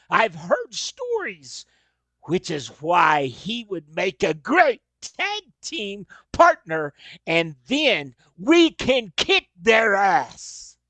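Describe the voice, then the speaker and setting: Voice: mid-range voice, sharp tone, dry recording, full character voice. A performer playing a vengeful, frustrated wrestler prince in a staged reading, declaring boasts and threats.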